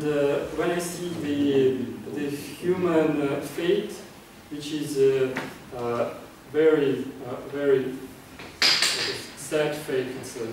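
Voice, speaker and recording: In an echoey meeting room recorded by a far camera, a Kazakh man delivers an earnest prepared speech to his club. His voice sits on the high side with a little hiss or hum, and he often restarts phrases using fillers.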